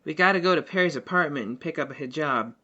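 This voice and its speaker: A woman's voice: low-pitched, fast talker, highs cut off, heavy background noise, natural voice. A woman playing an earnest, unsure young hero on a quest, with a questioning way of talking, in audio fiction. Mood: puzzled. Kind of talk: scripted audio fiction acting.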